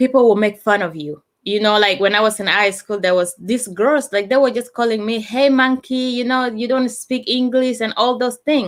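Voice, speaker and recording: A woman with a non-native accent and fairly high pitch, at a moderate pace with ordinary pitch variation and hardly any pauses. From Uganda. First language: not English. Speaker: community advocate. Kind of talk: interview. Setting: live radio talk show.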